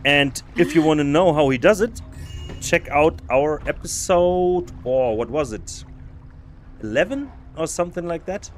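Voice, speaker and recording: Slow, musing male game streamer. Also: on the high side, lively intonation, soft background music. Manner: musing to himself, chatting with viewers, stumbling restarts. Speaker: podcast host streaming a game. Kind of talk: casual live gameplay commentary.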